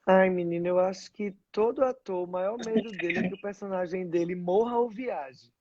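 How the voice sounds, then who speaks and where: A woman's voice: medium pitch, moderate pace. A woman from Pernambuco, an actress, chatting expressively as an interview guest. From Pernambuco, Brazil. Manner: animated, expressive storytelling. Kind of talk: casual interview chat. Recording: dull, dry lo-fi sound.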